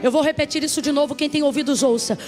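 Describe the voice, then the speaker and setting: A woman's voice: high voice, fast, darkish tone, faint music behind. A woman preacher giving an emphatic, conversational sermon mixed with a personal story.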